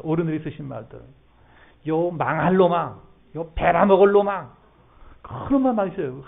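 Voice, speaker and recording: A middle-aged pastor with a high, light voice gives a sermon in a church, talking to his congregation and often asking them questions. The sound is thin and narrow, like a phone line. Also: gravelly. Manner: conversational preaching with questions to the congregation. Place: church sanctuary.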